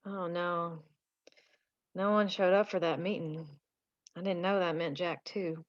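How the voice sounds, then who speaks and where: A woman's voice: on the low side, steady tone, measured pace, no room sound, highs cut off, lightly acted. A woman playing a folksy, chatty married townswoman from a mining town in a screenplay table read. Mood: worried.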